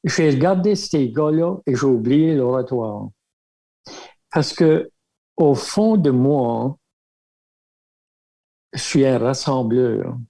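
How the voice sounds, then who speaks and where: In a casual storytelling interview, an older guest, a religious brother from Baie Sainte-Marie, Nova Scotia, reminisces in the region's Acadian French. His mid-range voice is gravelly, mellow and expressive. He takes it slowly with frequent pauses, fillers and light chuckles, on a rough recording.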